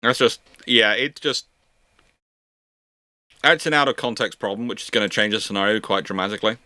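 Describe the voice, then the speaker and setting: A male host chats through viewer questions in a bright, forceful voice. He often stammers and repeats words before landing a point. The sound is dry, with little room around it. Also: lowish voice, brisk, no room sound. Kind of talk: live question-and-answer chat on naval history.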